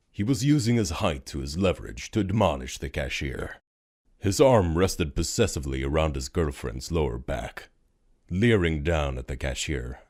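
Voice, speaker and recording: Deep, animated male story narrator. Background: music.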